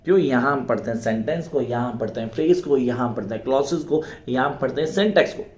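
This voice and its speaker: Echoey Hindi-exam tutor, man. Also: mid-range voice. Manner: mixes Hindi and English, repeats key terms slowly. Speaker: teacher. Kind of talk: exam preparation lecture.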